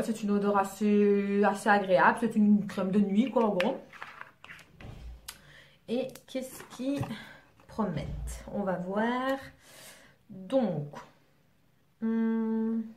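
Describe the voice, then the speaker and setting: A chatty young woman talks through her purchases in a loose, self-mocking way, often trailing off into fillers. Her voice sits at a middling pitch. The room around her is echoey, with faint noise underneath. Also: a little mellow. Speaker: beauty vlogger. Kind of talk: casual haul chat.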